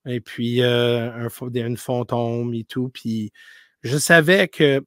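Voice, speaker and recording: A man who grew up speaking English, talking in as a paranormal streamer in a casual interview, telling animated stories full of restarts and English words. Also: mid-range voice, slow, no room sound, studio quality. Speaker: paranormal live streamer, guest.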